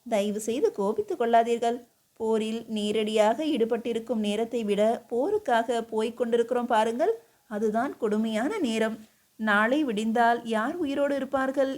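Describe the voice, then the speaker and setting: A woman's voice: fairly high pitch, a little mellow, lightly acted. A woman voicing a humble, devoted queen who speaks earnestly and pleadingly, in an audiobook reading. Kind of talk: audiobook character voice.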